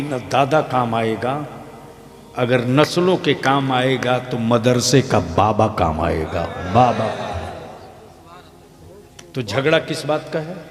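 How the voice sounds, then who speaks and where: A man preaching a sermon to an outdoor gathering, rhetorical and emphatic, often questioning the crowd. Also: medium pitch. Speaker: Islamic preacher. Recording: echoey loudspeaker sound, long hall reverb.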